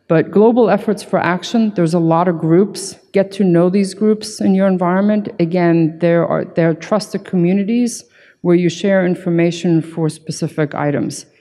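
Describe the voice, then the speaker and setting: A woman's voice: deep voice, warm tone. A middle-aged woman giving a conference talk from a podium, explaining things in an emphatic, informal way with plenty of conversational check-ins. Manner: emphatic, informal, peppered with "right" and "you know". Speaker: conference keynote speaker, security consultant. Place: large conference hall stage at a podium. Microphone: podium gooseneck microphone. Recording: hall reverb from a PA.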